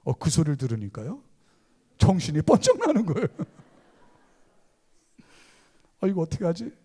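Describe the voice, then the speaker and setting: Male pastor, sermon storyteller, swooping expressive delivery, gravelly edge, playful and animated. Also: fairly high pitch, a little slow. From Gangwon Province, South Korea.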